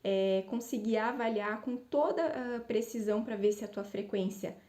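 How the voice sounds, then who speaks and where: A woman speech therapist in her thirties teaches a voice lesson in a chatty, explanatory way. Her voice is mellow and a little high. The room around her is echoey. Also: normal speed. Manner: explanatory, conversational, frequent tag questions. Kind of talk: voice coaching lesson.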